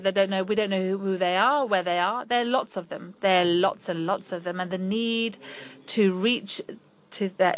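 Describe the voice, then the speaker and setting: A woman interpreting a conference talk in real time, her pitch sitting in an ordinary middle range. She moves forward in bursts and stalls on fillers, restarting phrases as she catches up with the speaker. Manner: halting, frequent fillers and restarts. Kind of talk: simultaneous interpretation of a lecture.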